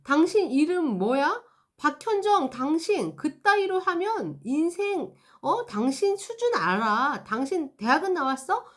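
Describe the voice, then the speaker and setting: A woman acting out an irate, indignant customer who loudly berates a staff member. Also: sits high, very animated, measured pace, pitched above the performer's own voice. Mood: furious. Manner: loud, indignant, accusing.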